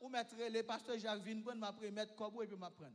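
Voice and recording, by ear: A man's high-pitched voice with a fairly bright tone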